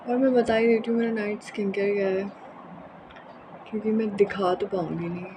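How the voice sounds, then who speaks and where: Hoarse young woman, noisy recording. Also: mid-range voice, fairly even intonation, a little fast. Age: young adult. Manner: unscripted, mixes English words into Hindi. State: hoarse, sore throat. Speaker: vlogger. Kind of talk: casual rambling vlog chat. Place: indoors in a room at home.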